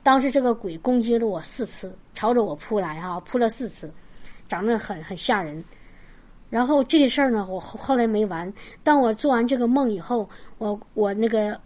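Woman telling her faith story with animation. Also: medium pitch. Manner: lively retelling with restarts and laughs; acts out quoted dialogue. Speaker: Christian speaker sharing a testimony. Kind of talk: personal storytelling, casual.

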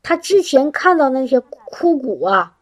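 Woman preaching, high bright voice, animated and exclamatory, repeats herself, sermon delivery. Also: a little slow. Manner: animated, exclamatory, laughs often, repeats words.

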